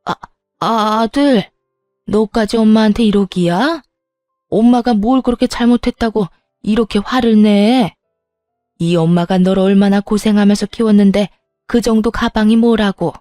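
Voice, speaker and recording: A brazen, self-pitying older mother-in-law, read by a woman in a storybook reading, whining and defensive. The voice is dark and mellow, recorded dry and close. Soft music plays underneath. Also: medium pitch, moderate pace, no echo, close to an everyday voice.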